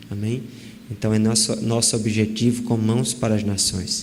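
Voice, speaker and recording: A soft-spoken man with a northeastern Brazilian accent talks in a somewhat breathy voice, with audible room echo. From Brazil, Rio Grande do Norte (Northeast sertão). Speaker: missionary pastor. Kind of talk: sermon. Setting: church.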